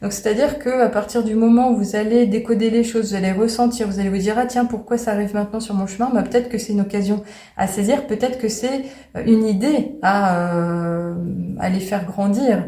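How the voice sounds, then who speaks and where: At a fairly quick pace, a woman with a fairly high pitch speaks in fairly even intonation while noticeable background noise runs underneath. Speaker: medium and tarot card reader. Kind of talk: astrology card reading talk to camera. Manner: casual, hesitant with many fillers.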